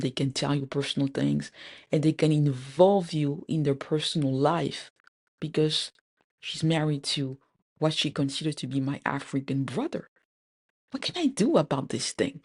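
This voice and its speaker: A woman's voice: low-pitched, measured pace. A woman from Cameroon telling a personal story in a candid, exasperated way, with frequent fillers and restarts. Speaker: podcast host. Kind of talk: storytime vlog.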